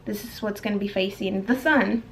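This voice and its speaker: A woman's voice: mid-range voice, fairly even intonation, moderate pace, background noise. A young woman casually reviewing products for her vlog at home, talking straight to viewers with lots of ums and likes. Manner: chatty, addresses viewers as guys, many ums and likes. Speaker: vlogger. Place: at home, bedroom and stairs.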